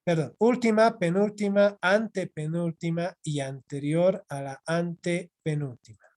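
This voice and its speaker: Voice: mid-range voice, a little slow, a little mellow. A teacher giving an online class lecture, patient, repeating key points and checking in with the students often. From Bolivia. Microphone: video call microphone.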